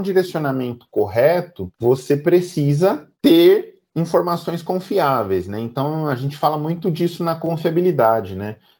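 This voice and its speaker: With lively intonation and a dark, mellow tone, a man with a fairly high pitch speaks at a fairly slow pace. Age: 30s. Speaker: maintenance management consultant. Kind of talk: professional panel discussion.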